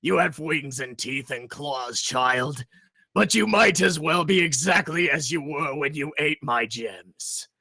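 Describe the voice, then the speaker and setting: Huge disdainful dragon, audio drama: forceful, gravelly dragon voice, unhurried menace, very dry sound. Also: male voice, expressive, no room sound, heavily acted. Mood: scornful taunting. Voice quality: gravelly, booming. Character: huge ferocious old green male dragon, disdainful, menacing. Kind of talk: dramatic audio story acting.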